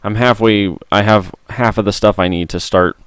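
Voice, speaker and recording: A tired, hoarse man with a gruff, rough voice streaming a game, chatting and muttering to himself on a close mic. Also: lowish voice, steady tone, normal speed, a bit bright, dry recording. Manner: mutters to himself while playing. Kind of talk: casual gameplay stream chat. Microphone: close studio mic.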